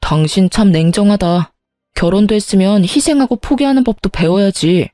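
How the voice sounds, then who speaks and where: A woman's voice: mid-range voice, moderate pace, mellow, no echo, clean studio sound, soft background music, close to an everyday voice. A woman voicing an irritated husband who argues defensively and accuses his wife in a spoken story. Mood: accusing. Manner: accusing, huffy.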